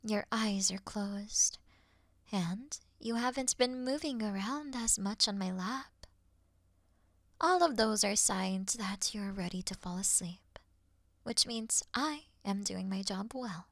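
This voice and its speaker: A woman playing an earnest, awkward moth girl in a sleep-aid roleplay, soft and often whispering, with a gentle, slightly formal manner. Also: mid-range voice, dry recording, clean studio sound.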